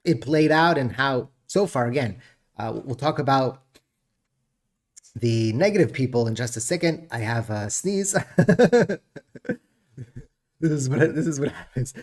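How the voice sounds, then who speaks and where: A man's voice: mid-range voice, expressive, unhurried, long pauses, darkish tone. A man hosting a casual crypto market video, chatty and rambling with jokes, sounding stuffed up. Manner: chatty, rambling, jokey with frequent laughs.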